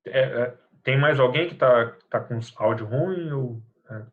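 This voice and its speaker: A man's voice: mid-range voice, unhurried, phone-quality sound. A man giving an online class, hesitant with many fillers, his audio breaking up and cutting out over the live stream. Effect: choppy audio breaking up over a live stream. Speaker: lecturer on clinical lab microbiology.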